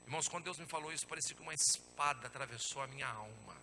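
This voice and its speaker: In a church, a man preaches a sermon and shares a personal testimony, telling it dramatically as he swings from hushed tones to shouting and repeatedly calls the congregation brothers. His voice is mid-range and very fast.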